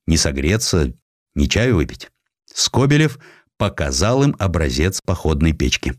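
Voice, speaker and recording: A man's voice: a bass voice, big pitch swings, measured pace, no room sound. A man reading historical prose as a dramatic, scripted audiobook narration.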